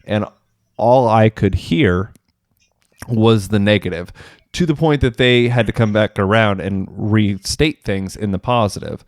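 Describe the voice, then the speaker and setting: A man's voice: lowish voice, measured pace, no echo. Candid man, dry close sound. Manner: candid, self-deprecating, thinks aloud with fillers. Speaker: podcast co-host, mental health professional. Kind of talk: casual podcast conversation.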